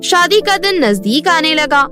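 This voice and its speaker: A woman narrates a scripted story in a high-pitched voice. Music plays behind the narration. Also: sing-song, unhurried, sharp tone.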